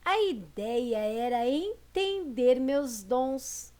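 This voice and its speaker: A woman hosting a horror channel, narrating supernatural accounts in a dramatic, drawn-out storytelling manner. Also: sits high, lively intonation, warm tone.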